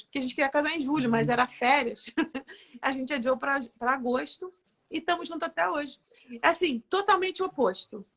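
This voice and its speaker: Woman guest, high and bright, lively chatty storyteller in a relaxed live interview. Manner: lively storyteller, laughs often. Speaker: therapist guest. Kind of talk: casual interview chat.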